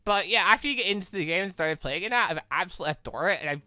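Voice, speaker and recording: A gaming video host rambling casually and excitably through fan opinions while commentating on a game. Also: medium pitch, racing, dry recording, studio quality.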